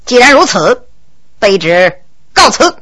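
A woman voicing a bold, blunt low-ranking male county magistrate who talks in a cool, sly, deliberate way. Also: very animated, pushed and bright, husky, exaggerated voice.

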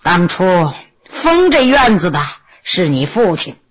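A bitter old prince, imprisoned and worn out, speaking low and hushed in a cold, flat mutter, as a woman storyteller puts him on. His voice drops well below her own and sinks to near a murmur. The sound is husky and unhurried. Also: dull audio, heavily acted.

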